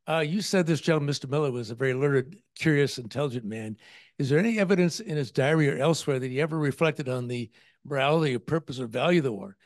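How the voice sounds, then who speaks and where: A man's voice: mid-range voice, fast talker, no echo, clean studio sound. A man in the audience asking an earnest, pressing question in a meeting room.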